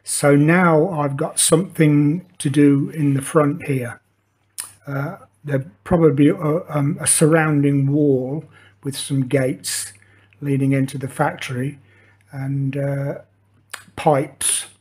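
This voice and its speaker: Slow, husky older man. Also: on the high side, steady tone, darkish tone. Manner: hesitant, many fillers and restarts. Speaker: model maker demonstrating. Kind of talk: hobby tutorial, casual talk while working. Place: indoor workshop table.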